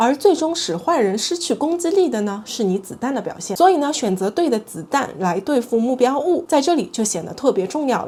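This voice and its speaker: A woman speaks at a fairly quick pace and high pitch with very wide pitch swings, amid noticeable background noise. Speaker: gun educator YouTuber. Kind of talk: educational talk to camera.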